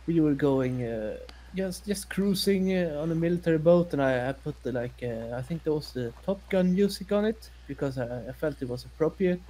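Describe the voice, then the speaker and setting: Easygoing Swedish-accented man, slightly high-pitched. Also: expressive, warm tone. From Sweden. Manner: halting, easygoing, quick to laugh. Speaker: guest co-streamer. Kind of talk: casual chat.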